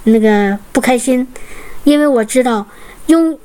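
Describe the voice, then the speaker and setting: A woman telling a lively Christian testimony to fellow believers, acting out the dialogue and exclaiming praise. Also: sits high, a little slow. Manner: animated storytelling, acts out dialogue, exclaims hallelujah. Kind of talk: spoken testimony to a congregation.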